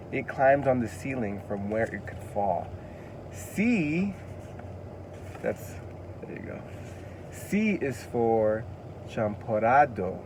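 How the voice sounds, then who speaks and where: Reading from a children's alphabet book, a Californian-accented American man teaches a casual language lesson. His voice is mid-range and a little mellow, and he's earnest, slightly preachy, repeating words for emphasis; there's slight background noise.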